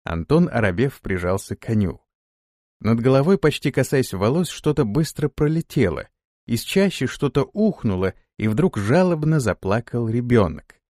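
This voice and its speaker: A man narrating an audiobook with expressive storytelling. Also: mid-range voice, normal speed, no room sound, clean studio sound. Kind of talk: scripted narration.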